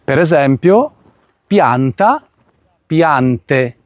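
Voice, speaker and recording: Guy giving a lesson outside on a phone, kinda high voice, dry sound, slows down to spell stuff out. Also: big pitch swings, no echo. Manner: switches between Portuguese and Italian, spells out sounds slowly. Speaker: Italian teacher. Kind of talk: outdoor language lesson. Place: outdoors in a town. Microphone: phone recording.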